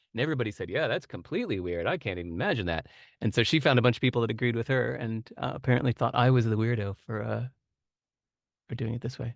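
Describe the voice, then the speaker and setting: Speaking very fast in an American accent, a man at medium pitch uses lively intonation and some vocal fry, recorded dry and close with no echo against a quiet background. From US Midwest, Chicago. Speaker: interview guest, musician. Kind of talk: casual conversation.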